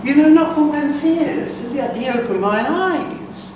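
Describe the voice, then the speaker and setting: A man's voice: very high-pitched, expressive, measured pace, pitched above the performer's own voice. A man voicing a newly healed man born blind, plainspoken and earnest, in a dramatic scripture reading. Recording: echoey hall from far off, background noise.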